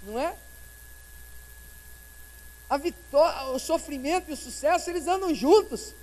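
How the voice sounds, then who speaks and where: Very high-voiced Brazilian male preacher. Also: expressive, measured pace. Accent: Brazilian Portuguese. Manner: impassioned, swinging between soft and loud. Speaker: guest pastor. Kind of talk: sermon. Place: church sanctuary. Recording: long church-hall reverb.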